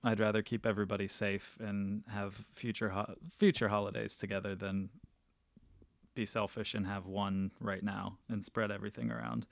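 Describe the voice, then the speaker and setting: Hosting a casual podcast interview, a man speaks at normal speed in a lowish, level voice with vocal fry. He's chatty and enthusiastic but rambles, frequently restarting, and the audio has no echo.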